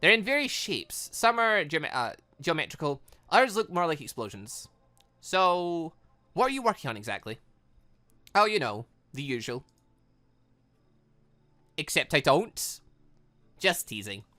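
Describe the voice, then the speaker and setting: Male gaming host, bright forceful voice, lively swings in pitch, close dry sound with faint music underneath. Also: measured pace, long pauses. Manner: excitable, animated, thinking aloud. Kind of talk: let's play commentary, reading game dialogue aloud.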